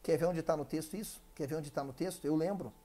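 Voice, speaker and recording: A man's voice: fairly high pitch, fast talker, warm tone. A Brazilian man teaching an online exam-prep English class, explaining step by step and asking the viewer frequent rhetorical questions, with a dry throat. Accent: Brazilian Portuguese.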